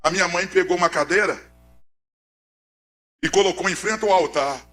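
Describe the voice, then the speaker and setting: Guy giving a fired-up church testimony, kinda high voice, goes from hushed to yelling, a little music behind. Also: moderate pace. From Pernambuco, Brazil. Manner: dramatic, swings from hushed to shouting.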